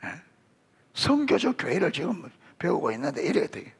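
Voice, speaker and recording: A man's voice: on the high side, normal speed, gravelly, husky. A middle-aged male pastor preaching a sermon, quizzing the congregation and calling on children by name. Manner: animated, rising emphasis on scripture.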